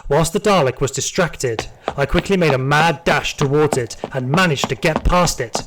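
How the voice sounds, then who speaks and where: A man's voice: a little high, moderate pace, background noise, natural voice. A man playing a hardened, trigger-happy security guard, telling his story in dramatic first-person audio drama narration. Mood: urgent.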